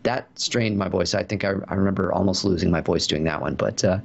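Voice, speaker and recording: A man with a low, gravelly voice answers interview questions in a relaxed, rambling way, full of fillers and restarts. His voice comes through a dull, lo-fi line. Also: brisk. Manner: chatty storyteller, many fillers and restarts. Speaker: voice actor guest.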